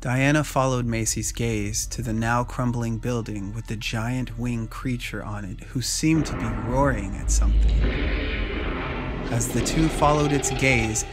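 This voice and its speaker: Male narrator for scripted dramatic fiction; mid-range pitch, music bed underneath. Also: steady tone, measured pace.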